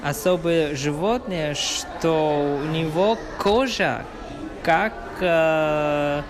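Slow-speaking man, higher voice. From Taiwan. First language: Atayal. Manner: slow, searching for words. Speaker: co-host. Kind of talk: casual chat on a museum tour. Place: museum exhibition.

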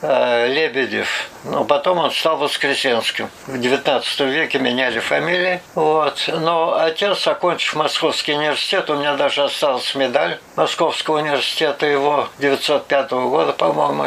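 Older man from Russia, gravelly, fairly high for a man, unhurried reminiscing, hesitant pauses. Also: fairly bright tone, slight background noise, rough recording. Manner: unhurried recollection with hesitations and "вот" asides. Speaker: interviewee. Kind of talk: oral history reminiscence.

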